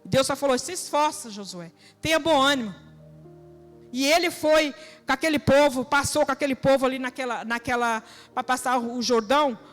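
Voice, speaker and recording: A woman from São preaching an earnest, exhorting sermon in church, full of rhetorical questions and plain everyday speech. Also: high-pitched. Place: church hall. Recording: reverberant church hall with music.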